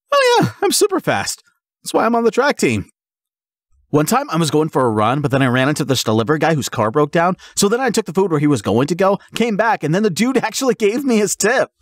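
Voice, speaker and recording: A young man playing a goofy, excitable, reckless jock boyfriend in a roleplay audio drama, rambling eagerly and stammering. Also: fairly high pitch, no echo, clean studio sound. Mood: casual, bragging.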